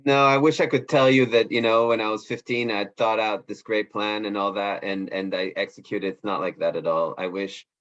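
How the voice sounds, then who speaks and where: Middle-aged male interview guest, lowish pitch, reflective and self-effacing, explains at length, slightly dull audio. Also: fairly even intonation, moderate pace, hardly any pauses, fairly bright tone. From Israel, East Africa and Switzerland. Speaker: interview guest, hostage negotiator and lawyer. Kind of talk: reflective conversational interview answers.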